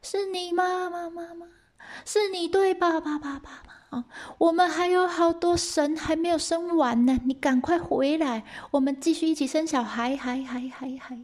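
A woman's voice: on the high side, lively intonation, moderate pace, vocal fry, few pauses, warm tone, husky, pitched above the performer's own voice, full character voice. A woman voicing a lovesick male god who calls after his dead wife, pleading and stretching his words. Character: lovesick male god husband, eager and impatient.

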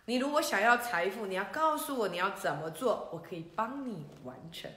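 A woman voicing a kindly old male god in a children's story, gently scolding and patient. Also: mid-range voice, expressive, brisk, slight background noise. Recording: roomy echo.

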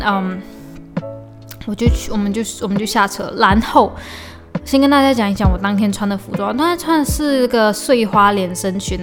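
A young woman from Malaysia, telling stories in a chatty, casual podcast diary, often restarting and mixing in English. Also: medium pitch. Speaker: podcast host. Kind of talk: casual diary-style storytelling. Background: faint lo-fi beat.

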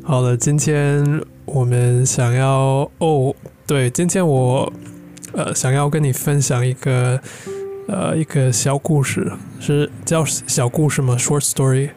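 Over soft background music, a man who speaks English co-hosts a podcast, chatting casually in learner's Mandarin. His mid-range voice is steady, slow and dark, and he searches for words, slipping into English.

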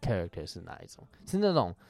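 A man interviewing a singer in a casual chat, animated and mixing English words into his speech. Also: low-pitched, quick pace, vocal fry, soft background music. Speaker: interviewer and musician. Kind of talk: casual conversation.

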